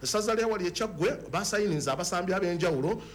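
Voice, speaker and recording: Fast-talking Ugandan man presenting football talk. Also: high-pitched, animated. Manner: mixes in English words and phrases. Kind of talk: sports discussion.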